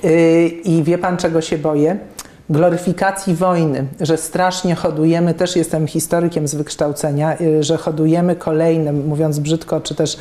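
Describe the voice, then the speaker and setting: A woman's voice: low-pitched, fairly even intonation, normal speed, dark tone, echoey room. A woman in her fifties interviewing a guest, talking thoughtfully with many fillers and restarts. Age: 50s. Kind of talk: conversational interview. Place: office room with plants and bookshelves.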